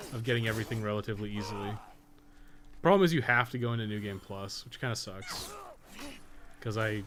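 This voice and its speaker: A man's voice: on the low side, noisy background. A man giving casual, candid live gameplay commentary in an informal, conversational way, as a streamer chatting with viewers. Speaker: game streamer and guide maker.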